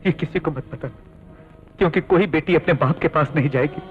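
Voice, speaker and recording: An actor dubbing a loyal younger brother who speaks earnestly and from the heart. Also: male voice, on the high side, a little fast, faint music behind, lightly acted. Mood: anguished. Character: loyal devoted younger brother, gentle and anguished. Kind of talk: Hindi film dubbing. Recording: tinny narrow film audio.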